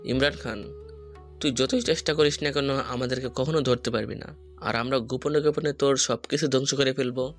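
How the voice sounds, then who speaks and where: A gloating criminal who taunts his enemy with menace, played by a man in a story audio drama. He talks fast and pushes each threat hard. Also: mid-range voice, steady tone, faint music behind, natural voice. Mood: taunting. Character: gloating male criminal enemy, mocking and vengeful.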